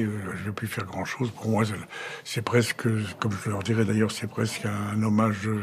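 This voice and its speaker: A man's monotone, flat delivery at a moderate pace over light background noise. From France. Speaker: actor. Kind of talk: interview answer. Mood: calm, reflective. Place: home room. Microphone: lapel.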